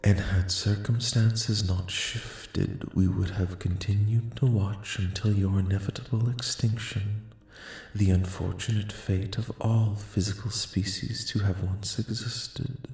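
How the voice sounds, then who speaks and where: A man voicing a calm, courteous alien collective in a soft-spoken ASMR roleplay, speaking in slow, formal, reassuring phrases. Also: fairly low pitch, vocal fry. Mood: calm, solemn. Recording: echoing, reverberant voice.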